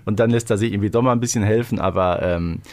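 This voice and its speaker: A man's voice: on the low side, fast, a little mellow. A man co-hosting a casual, conversational review podcast. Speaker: podcast co-host.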